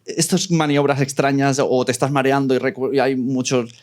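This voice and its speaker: A man with an accent from Spain talking casually in a panel discussion, chatty and quick to interject. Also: medium pitch, steady tone.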